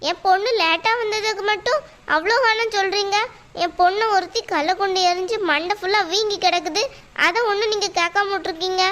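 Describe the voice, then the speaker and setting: A woman's voice: very high voice, a little fast, fairly bright tone. A woman voicing a quarrelsome, pushy mother in a cartoon, talking in a bossy, demanding way. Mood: angry. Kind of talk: cartoon voice acting.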